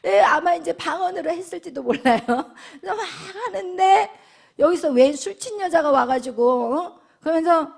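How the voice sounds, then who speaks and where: A middle-aged woman pastor delivers a sermon in a high, bright voice. She preaches animatedly, dropping to a whisper and rising again, and keeps putting questions to her listeners. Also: moderate pace, vocal fry. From South Korea. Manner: animated preaching, swings from loud to whispered lines; acts out quoted voices, asks the congregation questions.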